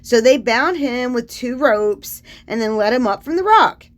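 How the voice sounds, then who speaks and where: Chatty, sarcastic young woman, slightly high. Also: animated, unhurried. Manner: chatty and sarcastic, heavy use of "like". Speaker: host. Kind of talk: casual scripture commentary.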